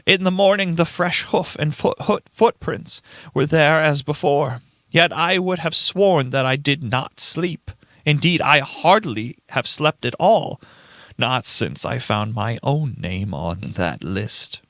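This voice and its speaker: A man playing a frantic, paranoid old grandfather reading his diary aloud in a theatrical, halting horror radio-play style. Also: a little high, expressive, a bit bright, dry recording, exaggerated voice. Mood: haunted, distressed. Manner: theatrical, halting, emphatic delivery.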